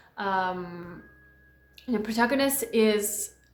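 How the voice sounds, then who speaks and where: A woman talks in a medium pitch, and audible room echo lingers around her words. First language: not English. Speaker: book vlogger. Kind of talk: casual vlog talk. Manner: hesitant, with fillers.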